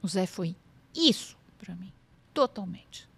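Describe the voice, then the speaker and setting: A woman's voice: fairly low pitch, animated, slow, a bit bright, breathy edge. A middle-aged woman with a Brazilian Portuguese accent, a lawyer speaking as a podcast guest, earnest and emphatic, acting out quoted dialogue as she tells stories. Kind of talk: conversational interview.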